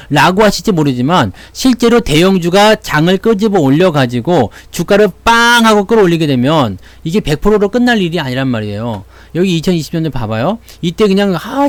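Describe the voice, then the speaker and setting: A man giving casual, blunt stock market commentary to his viewers, slangy and quick to act out little imagined lines. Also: fairly high pitch, dry recording.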